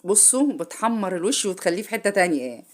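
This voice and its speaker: A woman's voice: medium pitch, big pitch swings, very fast. Chatty Egyptian woman with a cold. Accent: Egyptian Arabic. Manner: chatty, speaks straight to viewers, corrects herself midway. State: has a cold. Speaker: home cook. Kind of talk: casual cooking tutorial.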